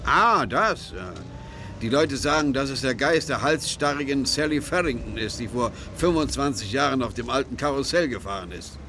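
Dubious chauffeur, animated and ominous. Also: male voice, mid-range voice, normal speed, a little hiss or hum. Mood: eerie, suspenseful. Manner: suspenseful storytelling. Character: dubious chauffeur telling an eerie ghost tale. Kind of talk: German radio play acting. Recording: vehicle and outdoor sounds behind.

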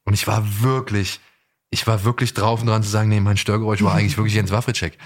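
A man's voice: on the low side, little pitch movement, fast talker. A man hosting a podcast in a casual, colloquial chat, sometimes acting out imagined quotes. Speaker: podcast host.

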